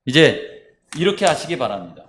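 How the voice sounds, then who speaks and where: Male pastor, animated pitch, fairly high voice, preaching and leading a baptism rite. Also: brisk, slight background noise. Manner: lively, asks the congregation questions and answers them himself. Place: church sanctuary.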